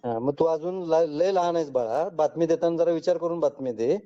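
Man, rural western Maharashtra accent, fairly high mellow voice; confrontational, condescending phone interrogator, blunt wording, dull lo-fi call recording. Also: moderate pace. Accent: rural western Maharashtra Marathi. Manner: blunt, coarse colloquial speech.

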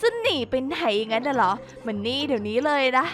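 A woman's voice: high voice, big pitch swings, brisk, a bit bright. A woman giving playful game commentary, theatrically scolding characters and talking to her viewers. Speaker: gaming YouTuber. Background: background music.

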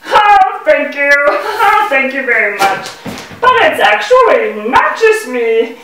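A woman's voice: high-pitched, big pitch swings, slow, noisy background, full character voice. Woman as a bubbly bee puppet in an echoey room. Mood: grateful. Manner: boastful, theatrical, sing-song rhyming delivery. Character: proud, bubbly talking male mason bee puppet. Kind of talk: children's puppet show performance. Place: indoor puppet stage, far from the mic. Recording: echoey room, distant microphone.

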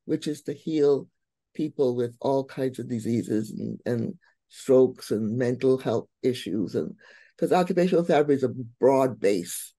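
A middle-aged woman from Barbados, a guest on a video call who tells her life story with warm, expressive emphasis. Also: very deep voice, a little slow, dry recording. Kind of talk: interview storytelling.

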